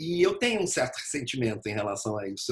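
A somewhat breathy voice over a quiet background. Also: man. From Brazil. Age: 50s. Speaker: novelist and diplomat. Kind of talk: public conversation. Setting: video call. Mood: wry, reflective resentment. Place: home room.

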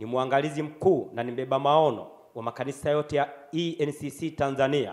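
The background is quiet while a man talks. He keeps a moderate pace and fairly even intonation. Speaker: youth pastor radio host. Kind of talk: prayer then radio sermon introduction. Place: studio.

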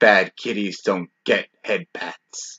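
A man performs a raspy, put-on character voice. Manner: sweetly scolding.

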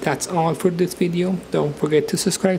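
Over light background noise, a woman with a fairly low pitch speaks at a moderate pace with ordinary pitch variation. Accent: Spanish. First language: Spanish. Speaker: tutorial presenter. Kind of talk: tutorial. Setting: screen recording voiceover. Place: home room.

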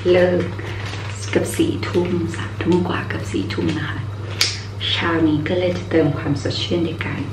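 Very deep, low pitch from a woman, with very wide pitch swings over noticeable background noise. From Bangkok, Thailand. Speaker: beauty and lifestyle YouTuber. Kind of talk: casual vlog talk to camera. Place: home room. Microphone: phone near.

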